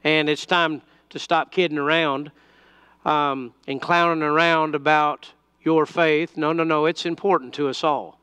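A male pastor speaks into a pulpit microphone in a slow, unhurried sermon, his fairly high voice smooth and clear. He keeps it conversational, with frequent fillers and restarts. The sound is close and dry, with almost no room echo. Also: fairly even intonation, pushed and bright.

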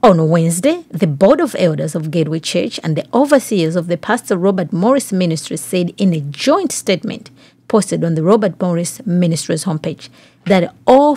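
A woman's voice: on the low side, darkish tone, husky, dry recording. A woman hosting a podcast, reading news aloud and commenting on it, putting questions straight to the listener. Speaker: podcast host.

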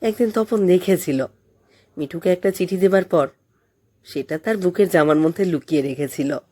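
Mellow woman narrating a story. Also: on the low side, moderate pace. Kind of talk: expressive scripted story narration.

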